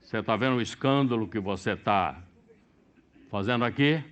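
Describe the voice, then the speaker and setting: A middle-aged man from Brazil preaching a sermon, swinging between sudden loud, high bursts and quiet, low asides. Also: normal speed, smooth, lo-fi sound. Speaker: pastor.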